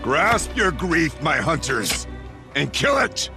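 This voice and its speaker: A solemn tribal leader of hunters in a fantasy game. He declaims very slowly in a creaky, gravelly voice, swinging widely in pitch like a fervent orator, with music clearly behind him. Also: very animated, heavily acted. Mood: solemn, fierce. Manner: declamatory, drawn-out delivery. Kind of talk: dramatic ceremonial oratory.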